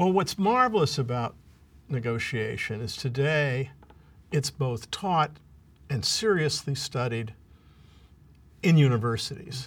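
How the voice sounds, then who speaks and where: Somewhat breathy and fairly high-pitched, a man speaks with an American accent and lively intonation. His pace is fairly slow, broken by long, frequent pauses. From US Midwest, Kansas City. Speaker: law professor. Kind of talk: interview.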